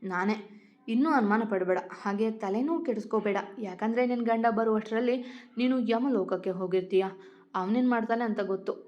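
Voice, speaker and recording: Menacing mastermind aunt, voiced by a woman narrator; cold and threatening, mellow, dull lo-fi. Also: a little high, fairly quick, natural voice. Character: ruthless older aunt, the hidden mastermind. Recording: dull lo-fi recording.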